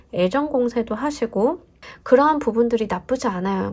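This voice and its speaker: Loud and at a fairly quick pace, a woman talks in a high voice with lively intonation. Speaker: tarot reader. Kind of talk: general tarot reading. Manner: tends to speak loudly for recording.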